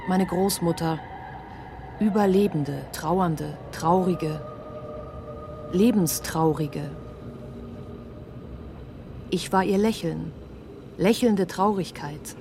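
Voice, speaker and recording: A woman playing the grieving, bitter child of Holocaust survivors in a literary radio play, speaking in grave fragments. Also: on the low side. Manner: fragmented short phrases, grave delivery. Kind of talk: literary radio drama monologue. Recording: music behind the voice.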